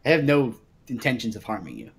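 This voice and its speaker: A man improvises casually as a tabletop player, with pitch that moves around in a lively way. He talks informally and feels his way through his phrases. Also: quick pace, vocal fry, slightly rough. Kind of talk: casual in-character improvised chat.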